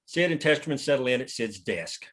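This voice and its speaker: A man's voice: mid-range voice, lively intonation, brisk, a bit bright. Male narrator for a screenplay table read, mid-range voice, reading action lines. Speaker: narrator reading stage directions.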